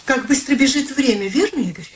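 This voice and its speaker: A middle-aged, dutiful daughter in a radio drama, with a high voice. She sounds brittle, hesitant and apologetic, a weary and touchy soul. Clear noise runs behind her. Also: expressive, brisk. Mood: flustered. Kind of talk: radio play acting.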